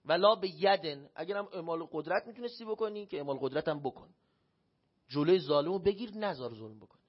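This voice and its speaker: This fairly high, expressive male voice has a breathy edge as he delivers a sermon in a shrine hall. He recounts a personal story, performing the voices of those he quotes, captured on a dull lo-fi recording.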